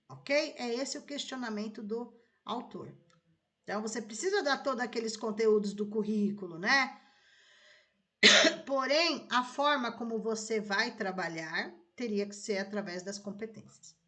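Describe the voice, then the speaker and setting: A woman's voice: a little high, pushed and bright. A Brazilian woman teacher giving a conversational lesson, often checking that listeners follow along. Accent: Brazilian Portuguese. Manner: conversational, checks understanding with tags like "tá?" and "né?". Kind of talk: explanatory lesson.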